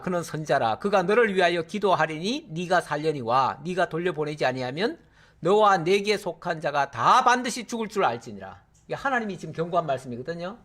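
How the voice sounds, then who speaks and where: Animated middle-aged male pastor teaching. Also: a little high. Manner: conversational, with frequent "예" and "어" fillers and acted-out quotes. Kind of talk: verse-by-verse Bible teaching.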